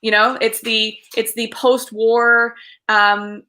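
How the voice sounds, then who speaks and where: A woman's voice: fairly high pitch, level tone, slow pace, bright, forceful tone. A woman in a casual spiritual chat, speaking hesitantly and searching for her words. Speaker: tarot student.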